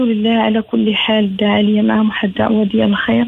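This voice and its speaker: A woman with a fairly high voice talks at a moderate speed, noticeable noise running behind her. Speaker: caller. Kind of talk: phone-in plea for advice. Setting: phone call.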